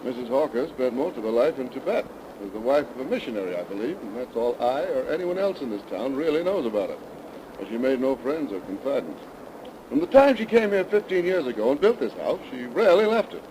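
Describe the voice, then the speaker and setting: An actor playing a courteous small-town attorney in a 1930s radio drama, speaking formally and precisely on a noisy old broadcast. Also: male voice, mid-range voice, big pitch swings, fairly quick, lightly acted.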